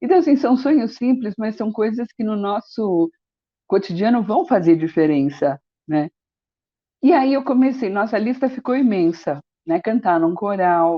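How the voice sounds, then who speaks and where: A woman speaks fairly slowly in a fairly high pitch, her voice swinging very widely in pitch. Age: 60s. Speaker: journalist and TV presenter. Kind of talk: interview. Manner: conversational, frequent fillers.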